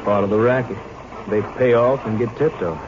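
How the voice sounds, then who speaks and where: A man's voice: fairly low pitch, normal speed, phone-quality sound, lightly acted. An American actor playing a blunt, indignant small-town newspaper man in a 1950s western radio drama. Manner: blunt, emphatic. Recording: noisy, band-limited old radio recording.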